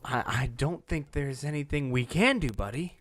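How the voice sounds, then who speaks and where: A man voicing an excitable, melodramatic geeky male pony in a comedic fan fiction reading with music behind. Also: medium pitch, moderate pace, natural voice. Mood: defeated. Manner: melodramatic, exclamatory. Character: excitable geeky adult male cartoon pony, easily panicked. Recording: background music under the voice.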